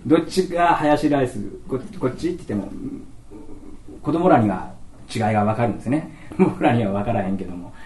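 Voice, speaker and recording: A man's voice: mid-range voice, lively intonation, fairly quick, darkish tone, a little hiss or hum. Kansai man telling stories in a roomy space. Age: 50s. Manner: chatty, anecdotal, Kansai turns of phrase. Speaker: kindergarten principal. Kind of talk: storytelling speech. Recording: roomy, distant mic, faint ambience.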